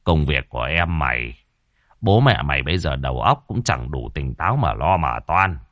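A man playing a gruff lecturing clansman. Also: extremely low pitch, very animated, normal speed, a bit bright, no echo, clean studio sound, pitched below the performer's own voice, full character voice. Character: stern older clansman scolding a young man.

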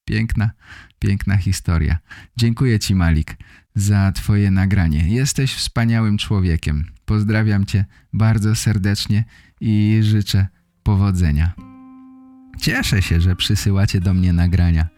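A man hosting a language-learning podcast, speaking in simple, measured, appreciative sentences. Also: lowish voice, darkish tone, no room sound, clean studio sound, faint music behind. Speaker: podcast host for learners of Polish. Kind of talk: slow, simple scripted talk for language learners.

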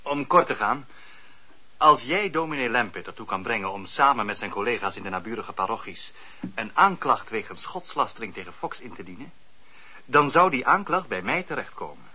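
An actor playing a courteous, calculating magistrate of olden times in a radio drama, speaking in formal, courtly phrases. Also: male voice, medium pitch, expressive, moderate pace, pushed and bright, slightly rough, heavily acted. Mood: scheming. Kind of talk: period radio drama acting. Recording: dull, muffled old radio recording.

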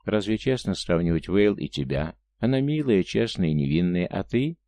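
A man voicing a grim, gruff strong young man in an audiobook. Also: low-pitched, very animated, normal speed, warm tone, dry recording. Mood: agitated.

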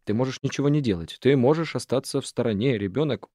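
A man's voice: mid-range voice, fast talker, no room sound, clean studio sound, lightly acted. A man reading an audiobook, voicing an impulsive, emotional young woman who blurts things out and swears. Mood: distraught. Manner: excitable, swearing, voice rising sharply.

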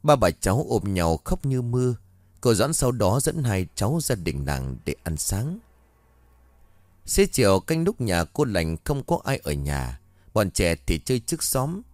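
A man narrating a ghost story in a dramatic, expressive reading style. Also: lowish voice, measured pace, no echo.

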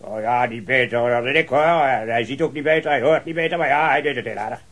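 An actor playing a jovial, talkative, hard-of-hearing old retired colonel who rambles heartily in a radio drama. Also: male voice, mid-range voice, fairly quick, fairly bright tone. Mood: cheerful, rambling. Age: older. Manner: rambling, hearty, with repeated affirmations and chuckles.

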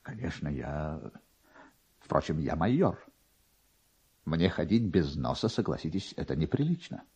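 Man as a flustered, husky, halting major. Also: extremely low pitch, sing-song, a little mellow, pitched below the performer's own voice, heavily acted. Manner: halting, deferential, groping for words. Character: flustered, timid, self-important male major missing his nose. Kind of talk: dramatic literary reading.

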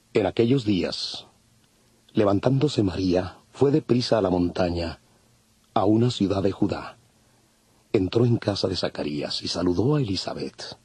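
A man narrating scripture from a script in measured storytelling. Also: deep voice, dark tone, husky, no echo. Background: faint music.

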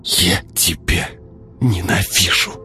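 A man's voice: moderate pace, soft background music, close to an everyday voice. A male narrator voicing a frightened, furious young woman who sobs and stammers. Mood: hissing whisper. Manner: sobbing, stammering, shrill outbursts.

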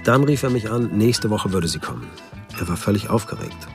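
A man's voice: lowish voice, animated, a little fast, music in the background. An actor playing a loyal but fed-up male friend, narrating matter-of-factly in a radio drama. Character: supportive, fed-up male friend recounting the story.

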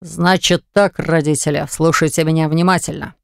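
Curt, evasive grown son, read by a woman, low and slow, dry sound. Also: steady tone, creaky, dry recording. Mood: businesslike. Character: adult son, father, curt and businesslike.

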